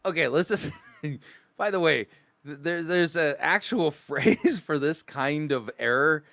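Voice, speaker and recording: A man's voice: fairly high pitch, lively intonation, a little slow, vocal fry, fairly bright tone. A middle-aged man giving mocking, sarcastic commentary as a critic, often acting out mock quotes. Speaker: host of a sermon critique show. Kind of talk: mocking commentary on played sermon clips.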